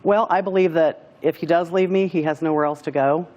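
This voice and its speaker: A woman speaking as a talk show guest, hesitant and halting, often searching for her words as she tells her own story. Her delivery is unsure and careful. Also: on the low side, fairly even intonation, darkish tone, lo-fi sound. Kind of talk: emotional personal testimony.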